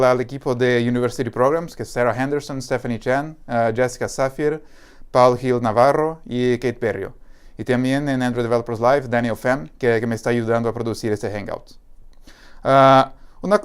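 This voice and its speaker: Brazilian man, Portuguese accent, smooth clear voice, halting live tech talk with many fillers. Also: mid-range voice. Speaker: developer advocate. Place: company studio.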